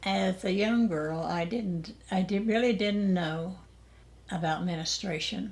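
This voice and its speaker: Speaking very slowly, a woman uses a medium pitch, a somewhat breathy sound and fairly even intonation. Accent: American. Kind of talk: interview answer.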